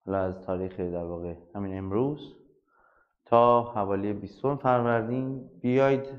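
A soft-spoken man teaching physics in an online class, chatting directly to his students. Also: mid-range voice, highs cut off.

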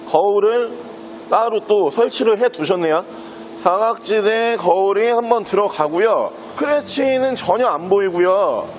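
A man giving a chatty used car salesman's pitch, casually presenting a car and pointing out details as he goes. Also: a little hiss or hum.

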